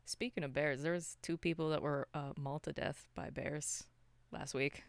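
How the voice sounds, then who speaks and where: A woman's voice: deep voice, fairly even intonation, normal speed, creaky, no echo. A woman co-hosting a podcast, chatting casually about movies in a wry, informal, rambling way. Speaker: podcast co-host.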